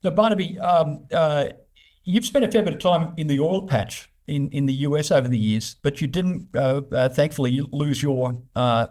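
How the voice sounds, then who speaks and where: A man's voice: fairly high pitch, darkish tone. A man interviewing a guest on a business show, speaking conversationally with hesitant phrasing.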